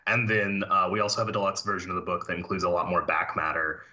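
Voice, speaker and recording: Deep, forceful man with halting speech. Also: level tone, highs cut off. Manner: halting, many fillers and restarts. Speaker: comic book writer, podcast guest. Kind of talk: casual podcast interview.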